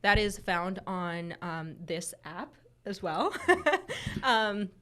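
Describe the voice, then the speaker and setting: A woman's voice: fairly low pitch, animated, drawn-out words, pushed and bright. A woman reporter whose first language is Spanish, chatting casually and giggling between thoughts. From Idaho, USA. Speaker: reporter and guest. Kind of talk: casual studio chat.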